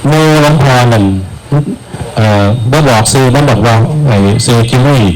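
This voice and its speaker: A monk with a northeastern Thai Isan accent, giving a storytelling sermon at a village merit ceremony. He talks in an easy, folksy way and slips into the voices of the characters in his stories. His voice sits at an ordinary mid pitch for a man. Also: moderate pace, soft background music, low-quality recording. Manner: lively storyteller acting out quoted voices, calls for blessing. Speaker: abbot preaching at a merit-making ceremony.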